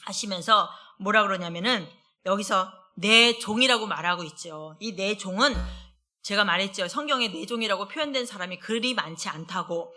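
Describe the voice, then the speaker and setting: During a church service, a woman associate pastor delivers a conversational midweek sermon, putting questions to the congregation and slowing down to read scripture aloud. Her medium-pitched voice sounds pushed and bright.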